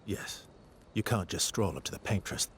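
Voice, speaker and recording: A man playing a deep-voiced weary expedition veteran. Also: normal speed, slight background noise, natural voice. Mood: grave. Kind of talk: video game cutscene acting. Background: cello and double bass score.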